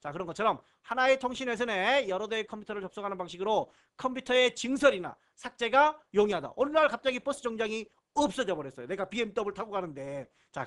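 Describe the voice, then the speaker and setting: A man with a very high-pitched voice gives an exam-prep lecture. He talks through the material in a teacherly way, repeating key terms and breaking it up with playful puns and asides. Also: a bit bright. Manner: jokey asides and puns between explanations; repeats key terms, often starting lines with "자". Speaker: computer certification instructor.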